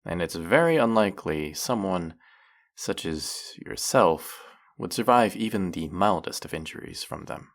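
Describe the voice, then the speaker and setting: A man playing a centuries-old, brooding vampire hunter in an audio roleplay, questioning with measured, wry menace. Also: low-pitched, animated, vocal fry, heavily acted. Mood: knowing, grim. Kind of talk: dramatic audio roleplay, addressing the listener.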